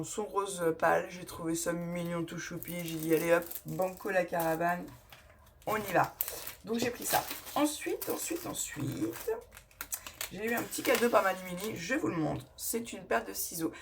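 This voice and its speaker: A woman's voice: lowish voice, slight background noise. A woman talking casually in a haul vlog, chatty and rambling, often correcting herself as she shows her crafting purchases. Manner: chatty and rambling, with frequent self-corrections and laughs; enthusiastic, showing items to the camera. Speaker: scrapbooking vlogger.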